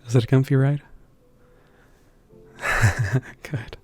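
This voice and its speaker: A man playing a kind, slightly awkward stranger in an ASMR roleplay, speaking gently and hesitantly with soft, casual phrasing. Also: mid-range voice, breathy edge. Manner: gentle, hesitant, softly chuckling, halting with thinking pauses.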